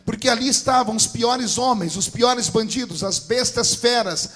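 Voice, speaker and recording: A pastor preaching a dramatic sermon in Brazilian Portuguese, telling a story that swells into shouting. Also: male voice, very high-pitched, normal speed, soft background music.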